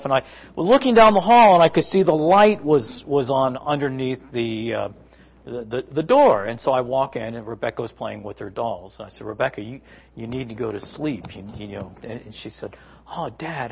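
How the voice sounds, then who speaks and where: A man in his fifties preaching a conversational sermon, rambling and halting through family stories with folksy asides to the congregation. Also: medium pitch, breathy edge, muffled recording. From South Florida.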